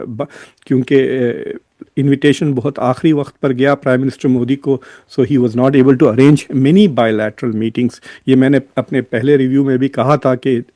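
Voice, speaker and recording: An Indian-accented man with a soft, mellow voice hosts an informal political commentary. He speaks straight to his viewers at a middle pitch, moving back and forth between Hindi and English. The sound is close and dry. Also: no echo.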